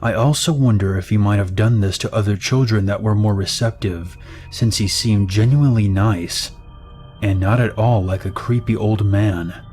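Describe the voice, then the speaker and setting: Man reading scary stories in a low steady voice, soft music behind. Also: moderate pace. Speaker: narrator. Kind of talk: scripted narration of reader-submitted scary stories.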